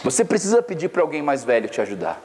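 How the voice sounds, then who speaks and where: A young man from Brazil preaches to a youth camp in a loose, storytelling way full of slang. His voice sits a bit high. The sound rings with the long reverb of a large hall. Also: huge pitch swings, quick pace, darkish tone. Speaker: pastor.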